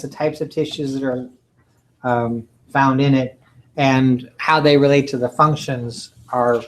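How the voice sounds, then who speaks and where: A man giving a recorded lecture from slides, halting often with ums and uhs and clearing his throat. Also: medium pitch, rough recording. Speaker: college lecturer.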